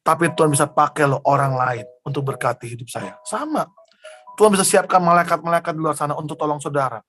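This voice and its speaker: A man's voice: fairly high pitch, quick pace, fairly bright tone, soft background music. A man preaching a testimony sermon, telling his story with emotion and often addressing his listeners directly. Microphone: Zoom broadcast.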